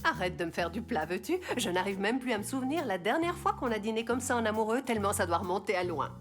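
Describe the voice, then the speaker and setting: A woman's voice: mid-range voice, very animated, fast, close to an everyday voice. A woman voicing a flirty, affectionate middle-aged mother in a cartoon dub, coy and chatty. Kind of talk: animated cartoon dubbing. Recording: music behind the voice.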